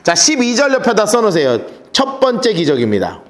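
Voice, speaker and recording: A male pastor teaching the Bible in a lively storytelling sermon, telling listeners what to write down. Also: sits high, a little fast. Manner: lively storytelling, gives note-taking instructions.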